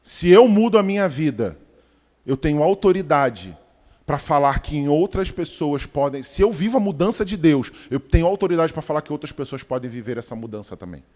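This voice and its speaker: A man pastor delivering a sermon, emphatic and rhythmic, with sudden swells and soft low drops. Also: animated, a little fast. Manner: emphatic preaching with rising calls and quiet drops. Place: church sanctuary. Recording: long church reverb.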